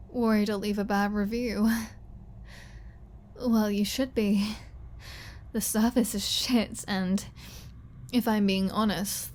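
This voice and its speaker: A woman's voice: medium pitch, darkish tone, a little hiss or hum, natural voice. A woman voicing a flirty, sarcastic, defiant female vampire in a scripted ASMR audio roleplay. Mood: sarcastic, teasing. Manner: sarcastic, teasing, playful.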